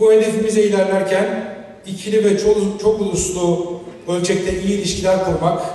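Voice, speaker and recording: Monotone, flat intonation at a moderate pace, with strong room echo. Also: man. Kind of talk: formal speech. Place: hall.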